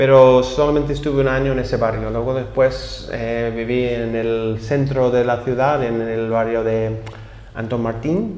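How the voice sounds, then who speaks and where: In an English accent, a man talks at a fairly slow pace and medium pitch with fairly even intonation, amid audible room echo and noticeable background noise. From Texas, US. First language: English (speaking Spanish). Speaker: writer and translator. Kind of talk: interview. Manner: halting.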